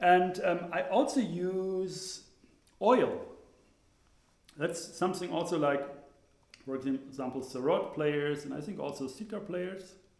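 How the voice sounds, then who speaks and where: A man with a German accent speaks at a fairly slow pace with a high pitch, lively intonation and big swings in loudness. He leaves long, frequent pauses, and the room echo is audible. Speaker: guitar teacher. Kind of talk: tutorial. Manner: halting.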